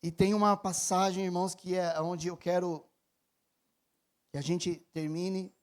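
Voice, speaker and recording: High-voiced Brazilian pastor in his thirties preaching; moves from quiet personal stories to loud, emphatic appeals. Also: little pitch movement, a little slow, smooth. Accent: Brazilian Portuguese. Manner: personal storytelling, swings from soft confession to loud emphatic preaching. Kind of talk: sermon.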